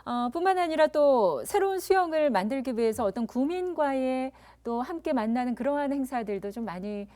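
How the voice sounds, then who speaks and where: A woman's voice: high voice, animated, moderate pace, few pauses, warm tone. A woman hosting a TV interview program, polished and courteous, prompting her guest and closing the show. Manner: polished, courteous, with frequent affirming backchannels. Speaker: TV talk show host. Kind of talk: polite broadcast interviewing.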